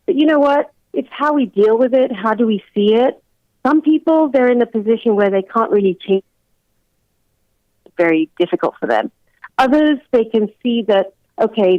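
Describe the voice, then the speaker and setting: A woman from London with an English accent, a doctor giving measured, reflective explanations as a remote radio interview guest. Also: mid-range voice, a little mellow, no room sound. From London, England. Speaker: guest family physician. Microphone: remote call-in line. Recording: dull, lo-fi phone-in line.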